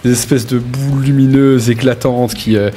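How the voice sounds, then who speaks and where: A man's voice: medium pitch, level tone, moderate pace, warm tone, a little hiss or hum. Joking man running a tabletop game. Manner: joking, informal. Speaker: game master. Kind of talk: casual tabletop game narration.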